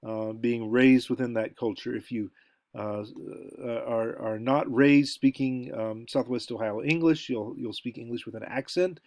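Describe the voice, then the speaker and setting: A man's voice: mid-range voice, steady tone, measured pace, a little mellow. An American man lectures in a loose, conversational manner, thinking aloud and wandering into asides. His voice sits in an ordinary middle range. The recording is dry, with no room echo. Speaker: college lecturer.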